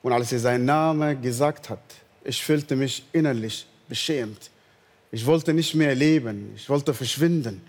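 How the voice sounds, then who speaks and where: Man preaching in a reverberant hall. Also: medium pitch. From northern Sudan. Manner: earnest, slow storytelling with non-native German grammar. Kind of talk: sermon with personal testimony.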